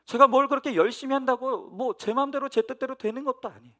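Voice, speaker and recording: A middle-aged man preaching a sermon as pastor, earnest, swinging between loud emphasis and hushed, near-whispered passages. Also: extremely high pitch, fast.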